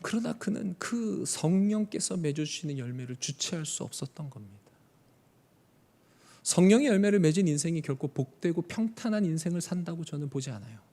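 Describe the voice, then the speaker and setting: A high-pitched male pastor preaching a sermon, his voice ringing with long reverb through a church sanctuary. He swings between loud, emphatic bursts and hushed asides. He asks the congregation questions and answers them himself. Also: animated, a little fast.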